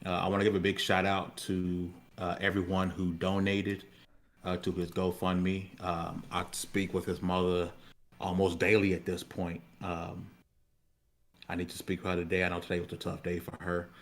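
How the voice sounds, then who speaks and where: Low-pitched, subdued grieving man. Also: completely flat delivery. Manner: halting, subdued. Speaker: show host. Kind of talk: heartfelt livestream address.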